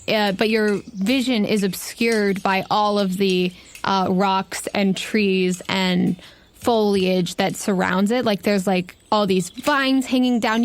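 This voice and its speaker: A woman's voice: mid-range voice, slight background noise. A woman running a tabletop game, narrating off the cuff and putting questions to the players. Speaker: game master.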